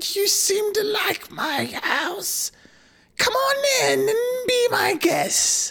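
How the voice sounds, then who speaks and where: A put-on character voice, female-sounding and extremely high-pitched, drawls at a very slow pace. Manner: scary, falsely inviting.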